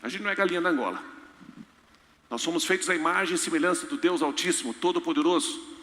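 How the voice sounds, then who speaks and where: A pastor preaching a sermon in an animated, joking way, acting out little voices. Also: male voice, fairly high pitch, fast talker. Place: large church hall. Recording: long church hall reverb.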